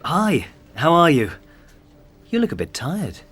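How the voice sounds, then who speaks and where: Man in a lively scripted office dialogue. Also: fairly high pitch, measured pace, breathy edge. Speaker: dialogue actor in course audio. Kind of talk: scripted role-play dialogue.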